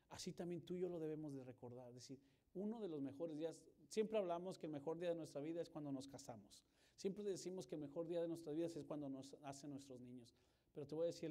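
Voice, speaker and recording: A male pastor preaching a sermon, swinging from loud emphasis to hushed storytelling and acting out the dialogue he quotes. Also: mid-range voice. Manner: acts out quoted dialogue in his telling.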